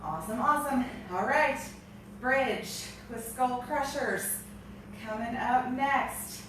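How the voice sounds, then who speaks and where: A high-voiced woman leads exercise like an aerobics instructor, cueing form in an encouraging, peppy way at an unhurried pace. She breathes with effort as she coaches. The sound is very echoey, as in a bare room. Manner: encouraging, exclaiming, peppy workout cheerleading. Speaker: aerobics and strength instructor leading a home workout. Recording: echoey room, distant mic, noisy.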